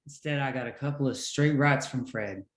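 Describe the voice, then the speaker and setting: A man's voice: mid-range voice, normal speed, reverberant, close to an everyday voice. A man acting a beaten, jailed man who pleads insistently, in a table read of a period Western drama. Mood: earnest.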